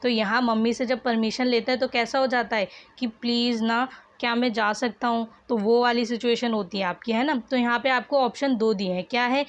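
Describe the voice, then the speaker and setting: A woman's voice: fairly high pitch, fairly even intonation, fairly quick, few pauses, highs cut off. A woman teacher, explaining a worksheet lesson patiently and repeating each answer for her students.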